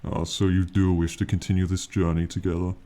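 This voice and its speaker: With a natural voice and flat delivery, a man takes on the role of an ancient male dragon in fantasy ASMR, sounding very deep and dark with hardly any rise or fall. The tone is regal and reassuring, and his slow, formal, archaic lines are proud and condescending but fond of his mortal companion.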